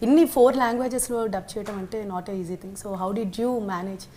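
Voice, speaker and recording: A woman's voice: medium pitch, rapid-fire, dark tone. A woman interviewer, asking questions politely, calling her guest sir and switching between two languages. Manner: polite, says sir, many fillers.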